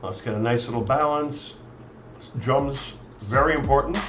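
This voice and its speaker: With audible room echo and noticeable background noise, a man talks at a fairly slow pace using ordinary pitch variation. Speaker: music producer. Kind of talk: tutorial. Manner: casual, chatty.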